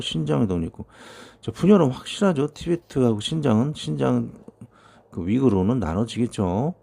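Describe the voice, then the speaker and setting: A man's voice: fairly low pitch, gravelly, warm tone. A man in his fifties preaching a sermon, reading out prophecies and commenting on them in a loose, conversational way with many fillers. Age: 50s. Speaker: pastor.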